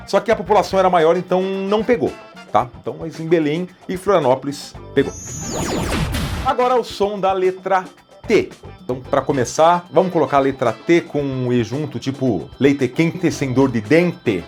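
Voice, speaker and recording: A man from Brazil presenting an educational explainer in a relaxed, conversational way, with frequent small hesitations. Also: on the high side.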